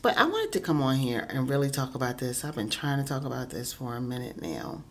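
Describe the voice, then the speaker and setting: A woman vlogger with an extremely low, sing-song voice talks briskly and earnestly into her phone, giving casual motivational talk to camera. She sounds stuffy and congested, and her speech is full of ums and repeated words.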